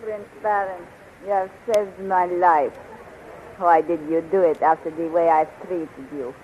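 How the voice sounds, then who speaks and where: A woman's voice: on the low side, flat delivery, measured pace, lightly acted. Muffled old-radio willful princess, acted by a woman. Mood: puzzled. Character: proud, willful princess, tyrant's daughter. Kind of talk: 1930s radio serial acting. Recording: muffled, noisy 1930s radio recording.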